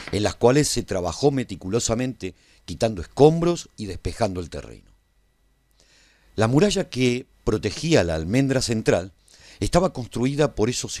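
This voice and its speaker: An actor playing a tender, reflective survivor who narrates a post-apocalyptic radio serial in a measured, solemn way. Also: male voice, mid-range voice, a little mellow, no echo, studio quality, lightly acted. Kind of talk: scripted first-person narration for a radio serial.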